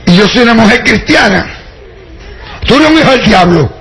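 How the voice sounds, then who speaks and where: Older man, puerto rican accent, high voice, preaching testimony, talks straight to the congregation, wry asides. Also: expressive, moderate pace, a bit bright, slight background noise, low-quality recording. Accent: Puerto Rican Spanish. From Puerto Rico. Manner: addresses listeners directly, repeated "amado, sí", rhetorical questions, wry jokes.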